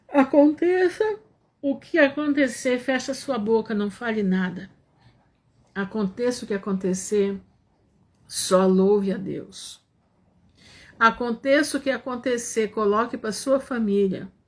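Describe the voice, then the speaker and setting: Pausing long and often, a woman speaks very slowly in a fairly high voice with lively intonation. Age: 60s. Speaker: evangelical live-stream preacher. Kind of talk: religious live stream talk. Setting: live stream reading chat. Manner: emphatic, repetitive.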